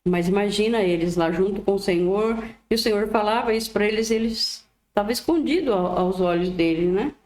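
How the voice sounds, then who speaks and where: A woman reading the Bible aloud in a gentle, devout way, adding her own commentary and a prayer. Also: mid-range voice, a little fast, few pauses. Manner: gentle, devout, often adds "né". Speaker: Bible reader. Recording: echoey room.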